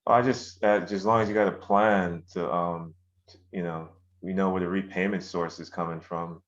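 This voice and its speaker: A man's voice: low voice, fairly even intonation, moderate pace. A man on a board asking probing questions about a loan's repayment, cautious, with many fillers. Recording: dull lo-fi call audio.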